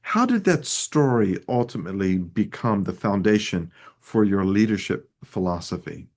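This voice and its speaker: Low-voiced man, lively formal host. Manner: measured, formal delivery. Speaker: show host. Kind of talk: interview hosting with scripted opening.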